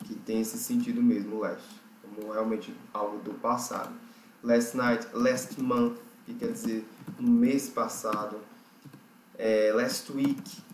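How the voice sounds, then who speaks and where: A Brazilian man teaching English in a patient, repetitive way, his mid-pitched voice checking in with the listener after each point. The recording sits in an echoey room with a faint hiss behind it. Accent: Brazilian Portuguese. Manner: patient, repeats and checks understanding with "certo?" and "ok?". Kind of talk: explaining exercises in a recorded lesson.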